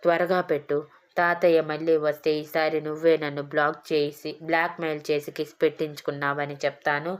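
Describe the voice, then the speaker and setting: A woman's voice: sits low, flat delivery, fairly quick, clear, resonant tone, close to an everyday voice. A woman voicing a bold young husband who teases and mocks his shy wife, in a storybook reading. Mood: teasing.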